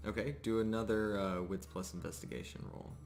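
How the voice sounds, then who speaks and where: A man narrating a live tabletop roleplaying game as game master, often pausing mid-sentence as he describes things. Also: lowish voice, fairly even intonation, darkish tone. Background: music.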